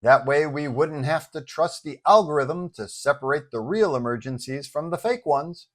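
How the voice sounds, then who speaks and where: A man voicing a calm, dry right-hand man to a hero, deadpan and slyly dismissive. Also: a little high, normal speed. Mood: matter-of-fact.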